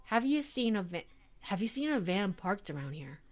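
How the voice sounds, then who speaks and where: A woman's voice: medium pitch, very animated, moderate pace, natural voice. A woman voicing a flustered young man in a game scene, read in her own voice.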